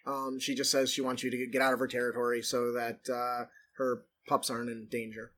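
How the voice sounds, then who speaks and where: Bright-voiced male podcast host. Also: mid-range voice, monotone, fairly quick. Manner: rambling, self-interrupting, chuckles often. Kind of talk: casual tabletop gaming podcast chat.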